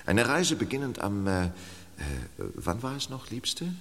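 An actor playing a self-absorbed member of an occult circle with a drawling, theatrical delivery in a radio play. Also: male voice, medium pitch, wildly swooping pitch, a little slow, creaky, a bit bright, heavily acted. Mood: languid, musing. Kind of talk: German audio drama acting. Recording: long reverberant hall.

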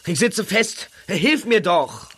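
A man's voice: sits high, big pitch swings, slow pace, pushed and bright, breathy edge, full character voice. An actor playing an impatient young male investigator in pain in a German audio drama, exclaiming and complaining.

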